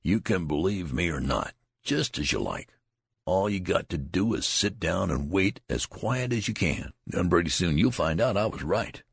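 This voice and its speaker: A man's voice: low-pitched, sing-song, normal speed, gravelly, husky, no echo, clean studio sound, pitched above the performer's own voice, exaggerated voice. A man voicing a tall, boastful young soldier who talks in a folksy, lecturing way. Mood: confident. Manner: folksy rural talk, lecturing.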